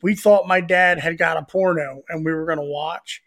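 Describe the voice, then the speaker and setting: A man in his forties, a guest on a casual podcast, telling stories loudly and swearing freely. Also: fairly high pitch, steady tone, normal speed. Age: 40s. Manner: loud, profane storyteller.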